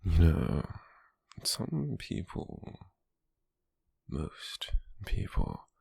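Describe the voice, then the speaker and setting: Man playing a gravelly, whispering British possessive captor. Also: low voice, dry recording, exaggerated voice. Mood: cool, menacing. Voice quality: breathy, husky, gravelly murmur. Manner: slow, deliberate, coaxing, lingering pauses. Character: possessive, softly menacing wealthy male captor, obsessive and doting. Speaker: ASMR roleplay performer. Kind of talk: intimate whispered ASMR roleplay. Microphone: close microphone, dry.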